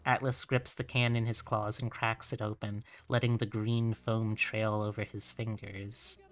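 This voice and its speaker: Low-voiced woman streamer chatting casually. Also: level tone, a little slow. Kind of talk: casual livestream chat and visual novel read-aloud.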